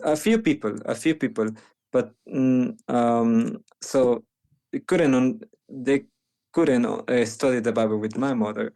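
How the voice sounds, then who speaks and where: Guest: young Panamanian man, slow and mellow, halting speech full of restarts, second-language speaker. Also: medium pitch. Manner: halting, many restarts and fillers. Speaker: guest, medical missionary. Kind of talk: conversational interview.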